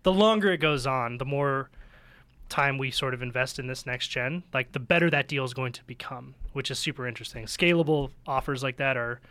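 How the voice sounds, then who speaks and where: A man chatting casually on a gaming podcast panel, weighing both sides in a measured way. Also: mid-range voice, fairly bright tone. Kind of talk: casual panel chat about video games.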